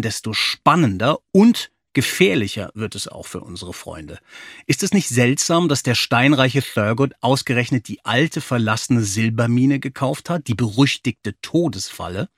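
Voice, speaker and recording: A man hosting a podcast, speaking in an expressive, enthusiastic way as he chats and reads aloud. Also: mid-range voice, no echo, studio quality. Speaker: podcast host.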